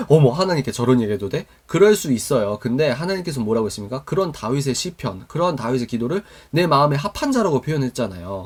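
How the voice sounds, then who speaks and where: A man teaching a Christian youth mentoring lesson, quizzing his listeners with call-and-response questions. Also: mid-range voice. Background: live online stream to viewers.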